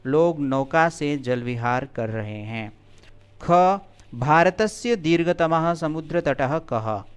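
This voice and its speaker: Slow, clear-voiced male teacher. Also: a little high, animated. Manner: slow, deliberate pronunciation drill, then plain explanation. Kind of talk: video lesson, reading out and explaining Sanskrit answers.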